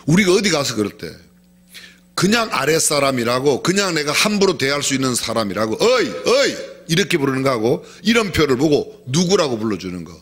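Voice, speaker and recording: A male pastor preaching a sermon in an animated way, asking the congregation questions and acting out quotes. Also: medium pitch, brisk, breathy edge. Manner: animated, often acts out quoted speech; asks the congregation questions directly.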